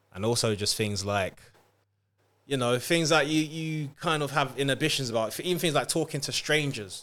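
A man with a British accent speaks at a moderate pace in a bright, sharp, fairly high-pitched voice with ordinary pitch variation. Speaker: copywriter, author and rapper. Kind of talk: casual interview chat.

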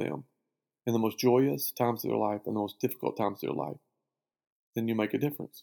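With a Southern US accent, a man talks at a medium pitch with ordinary pitch variation, recorded very cleanly against a silent background in a dry, close sound with no echo. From US South, Arkansas and northern Louisiana. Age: 50s. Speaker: former student pastor and worship leader. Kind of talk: podcast interview, personal testimony.

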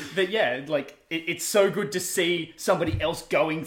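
A man's speech, showing ordinary pitch variation, comes with noticeable background noise. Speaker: guest co-discussant. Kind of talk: casual chat. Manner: joking, teasing.

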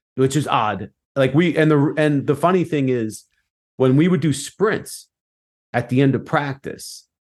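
A man with an American accent, a normal speaking voice, fairly high pitch, ordinary pitch variation, a fairly slow pace, very even loudness and a quiet background. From New Jersey, US. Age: 50s. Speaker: executive recruiter and podcaster. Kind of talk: casual interview conversation.

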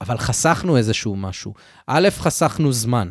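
A man talks in a normal speaking voice at a medium pitch and a fairly slow pace. The sound is dry and close with no echo, on a very clean recording with a silent background. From Israel, central Tel Aviv. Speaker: criminal defense lawyer. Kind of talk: casual chat.

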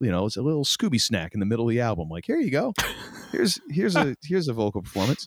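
This man speaks. His pace is very fast. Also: dry, close sound with no echo, very clean recording, silent background. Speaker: podcast host. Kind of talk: casual chat. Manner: loud.

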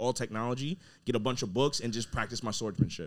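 The man has a normal speaking voice, medium in pitch, with ordinary pitch variation. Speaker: comedian. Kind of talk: casual chat.

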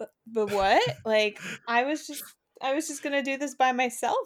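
A woman's high, animated voice at a moderate pace, with ordinary pitch variation. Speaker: podcast host. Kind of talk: casual conversational chat. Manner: animated, laughs often.

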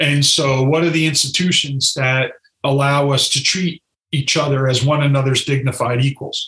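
A man speaks at a moderate pace in a fairly high pitch. His intonation is monotone and flat, and his loudness stays very even. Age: 60s. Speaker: economics professor. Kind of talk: interview. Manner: halting with fillers.

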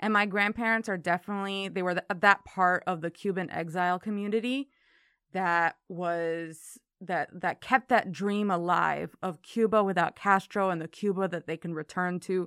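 A woman with an American accent and an ordinary speaking voice talks at a medium pitch and moderate pace with fairly even intonation, in a dry, close sound with no echo on a very clean recording with a silent background. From Miami, Florida. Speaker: author and illustrator. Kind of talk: interview.

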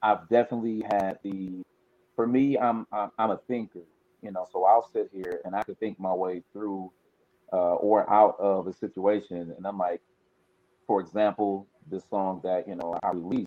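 A man speaks in a normal speaking voice with an American accent and a fairly low pitch. His intonation is fairly even and his pace moderate. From Detroit. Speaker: singer. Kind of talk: interview.

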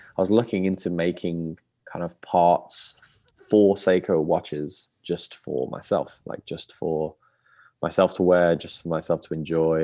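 A man speaks with a very deep, low pitch and a dark, mellow tone in a Birmingham accent. His pitch varies in an ordinary way against a quiet background. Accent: Birmingham English (Brummie). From England, Birmingham. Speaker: watch brand founder. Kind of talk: interview.

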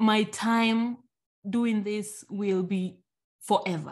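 This woman's medium-pitched voice is somewhat breathy and flat, almost monotone, against a quiet background. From Kenya. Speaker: military spouse and lawyer. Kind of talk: podcast interview.

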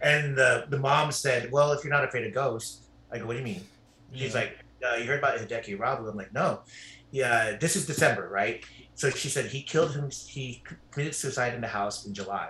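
Loud and at a fairly quick pace, a man speaks with a bright, sharp tone, medium pitch, and ordinary pitch variation. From Los Angeles area (Carson, California). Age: 50s. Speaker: TV editor. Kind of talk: casual chat. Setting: video call.

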